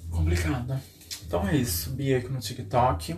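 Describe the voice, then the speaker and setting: This man's pitch swings very widely at a moderate pace, with audible room echo and noticeable background noise in the recording. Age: 20s. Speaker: podcast host. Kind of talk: autobiographical casual monologue. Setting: recorded Instagram live video. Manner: halting.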